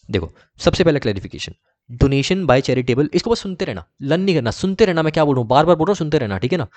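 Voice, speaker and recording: A young man with an Indian accent, tutoring commerce students in a lecture, repeating points and reading rules out slowly in English. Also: on the high side, a little mellow. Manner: repetitive, reassuring, reads rules slowly in English. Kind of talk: exam-prep lecture.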